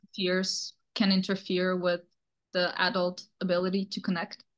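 A woman speaks at a fairly slow pace and a medium pitch. The background is quiet. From Russia and the Netherlands. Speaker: art historian; interviewer. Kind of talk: interview. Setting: video call. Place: home room. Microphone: video call.

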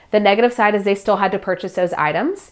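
A woman's voice with ordinary pitch variation at a fairly quick pace. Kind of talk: casual vlog chat. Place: studio. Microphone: lapel.

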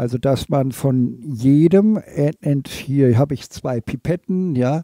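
The man's voice has a dark, mellow tone and a dry sound with no echo. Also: quiet background. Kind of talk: tutorial. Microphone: phone near.

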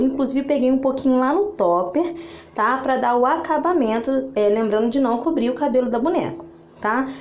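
A woman speaks at a high pitch. Her voice moves through very wide pitch swings. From Brazil. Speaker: cake decorator vlogger. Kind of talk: tutorial. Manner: chatty, informal. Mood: cheerful, grateful. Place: kitchen. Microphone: recording on husband's phone; phone near.

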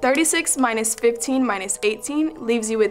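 Over faint background music, a woman talks at a moderate pace with ordinary pitch variation. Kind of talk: explaining a math solution. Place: hall.

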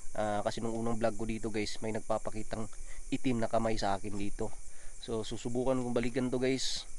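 Flat and monotone, a man rattles along at a very fast pace in a dry sound with no echo. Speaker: ghost-hunting vlogger. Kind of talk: casual vlog chat. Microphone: phone near.

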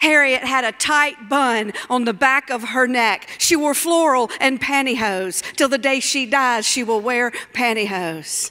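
Against a quiet background, a woman raises and projects her voice, her tone bright and sharp and her intonation lively. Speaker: keynote speaker. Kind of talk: comedic storytelling performance. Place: stage. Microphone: handheld.

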